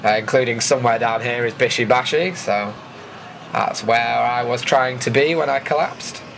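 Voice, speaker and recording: A man's voice: mid-range voice, moderate pace, creaky, fairly bright tone, slight background noise, rough recording. A man with a British accent giving a chatty, informal voice-over commentary as a vlogger recapping an event. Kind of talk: casual voice-over commentary on footage.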